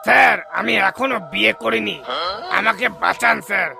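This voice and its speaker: A man voicing a panicky young cartoon villager, high gravelly shouting, music underneath. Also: normal speed. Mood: terrified.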